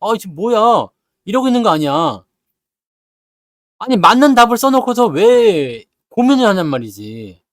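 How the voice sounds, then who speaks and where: Blunt Korean stock commentator, lively pitch. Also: male voice, dry recording, clean studio sound. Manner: blunt, scolding rhetorical questions; acts out investors' grumbling in quick asides. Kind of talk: lively market talk to viewers.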